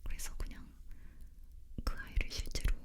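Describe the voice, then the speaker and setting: A woman leaning in to whisper an ASMR story in a breathy, unvoiced voice, very close to the microphone. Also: moderate pace. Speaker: ASMR creator telling a personal story.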